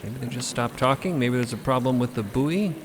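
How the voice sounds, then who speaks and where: A man's voice: mid-range voice, expressive, fairly quick, heavy background noise. A man narrating a scripted audio drama in a dramatic storytelling style. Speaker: podcast narrator. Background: loud music.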